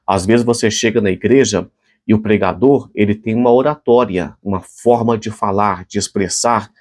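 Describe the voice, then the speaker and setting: A man with a Brazilian Portuguese accent gives a short devotional sermon in a conversational way. His voice sits a little low, and he talks earnestly, often restarting his sentences and pausing on fillers before he closes in prayer. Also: fairly even intonation, darkish tone. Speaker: preacher.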